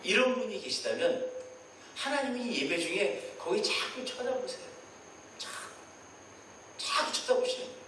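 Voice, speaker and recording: Man preaching, high voice, very echoey church from a distance. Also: moderate pace, pauses often, a little hiss or hum. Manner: animated preaching, acting out prayers and God's replies in quoted voices. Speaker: senior pastor. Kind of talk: sermon. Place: church sanctuary.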